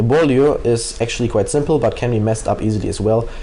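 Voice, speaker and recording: A man with a German accent and a medium pitch speaks at a very fast pace. Audible room echo and noticeable background noise surround his voice. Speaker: video game tutorial maker. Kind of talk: tutorial voice-over.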